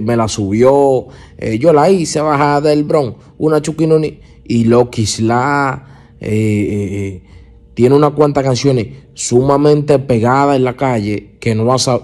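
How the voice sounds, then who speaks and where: Male YouTube host, Dominican accent, soft mellow tone, mid-pitched, casual urban news commentary, slangy, halting delivery. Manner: colloquial street slang, repetitive, halting.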